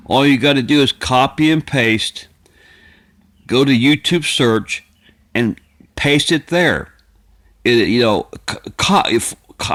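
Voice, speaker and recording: A man, rambling casually to his viewers in a folksy, plainspoken way, often halting and circling back over his phrases. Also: mid-range voice, fairly bright tone. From United States. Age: 50s. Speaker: video creator. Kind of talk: casual rambling vlog monologue.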